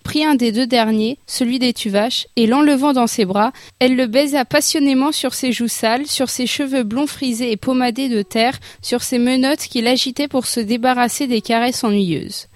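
Higher-voiced female story narrator. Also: normal speed, few pauses, dry recording. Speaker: audiobook narrator. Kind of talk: literary audiobook reading.

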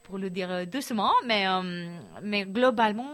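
Middle-aged woman from Barcelona, school counselor giving a relaxed interview, mid-range voice, hesitant and searching for words. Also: mid-range voice. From Barcelona, Spain. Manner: thoughtful, hesitant, many pauses and restarts. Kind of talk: casual interview answers.

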